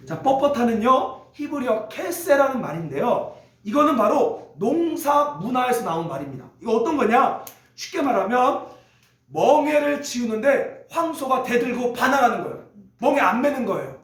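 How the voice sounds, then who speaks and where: A male pastor preaching a sermon in a church, leading call-and-response with the congregation and teaching in a lively, teasing way. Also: very high voice. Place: church sanctuary. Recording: echoey church hall.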